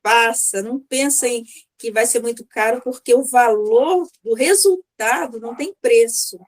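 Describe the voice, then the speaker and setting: A woman's voice: on the high side, unhurried. A Brazilian woman in her fifties giving a chatty personal testimonial as a mentoring client, often acting out little dialogues. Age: 50s. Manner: chatty, acts out dialogues, frequent tag questions.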